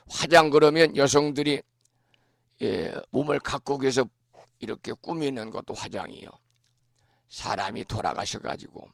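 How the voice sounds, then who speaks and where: A man, a Buddhist monk, giving a morning talk on scripture in a hoarse voice from a lingering cold, speaking slowly and clearing his throat often. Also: medium pitch, a bit bright, no room sound, clean studio sound. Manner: slow, measured teaching delivery. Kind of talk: dharma talk explaining scripture.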